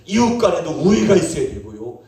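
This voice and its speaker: A man's voice: fairly high pitch, a little fast. Pastor guy preaching, voice jumps all over, big echoey church, mic kinda far. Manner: animated, playful, calls out to the congregation. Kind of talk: sermon. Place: church sanctuary.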